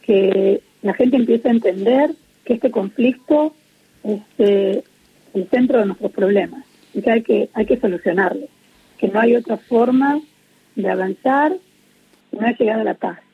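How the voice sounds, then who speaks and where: A middle-aged woman from Argentina with an Argentine Spanish accent, speaking as an interviewee in a phone interview, earnest and measured with many hesitations. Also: mid-range voice, slightly rough. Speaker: interviewee, peace activist. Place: at home in Israel. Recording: muffled lo-fi phone line.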